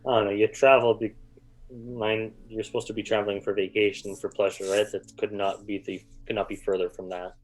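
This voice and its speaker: Low-voiced young male podcast host. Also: little pitch movement, brisk, poor audio. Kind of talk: casual conversation.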